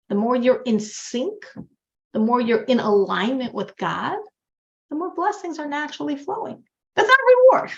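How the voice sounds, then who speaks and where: A woman teaching a religious class in an animated, conversational way, explaining through everyday examples. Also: high-pitched. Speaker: Torah teacher. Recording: dull lo-fi recording.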